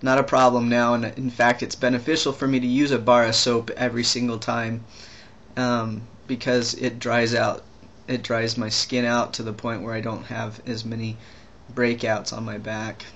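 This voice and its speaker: A young trans man rambles through a personal video diary, stopping and restarting his sentences often. His pitch stays level and even, with little rise or fall. A faint steady hiss sits under the camera-mic recording. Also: dull audio. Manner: rambling, halting, many restarts and fillers. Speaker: vlogger.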